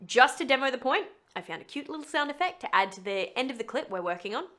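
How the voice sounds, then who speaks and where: A woman hosting a voice-over tutorial, explaining things to viewers in a chatty, expressive, emphatic way. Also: high-pitched, fast talker.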